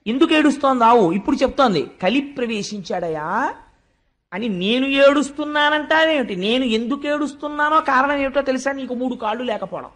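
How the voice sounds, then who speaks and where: A man with a notably high voice delivers a devotional discourse. He tells the story in a storytelling way, slips into the lines of the figures he quotes, and slows down to recite verses. He sounds middle-aged. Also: a bit bright. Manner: storytelling, acts out dialogue, recites verses slowly. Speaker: religious discourse speaker. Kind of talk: Telugu devotional discourse on scripture.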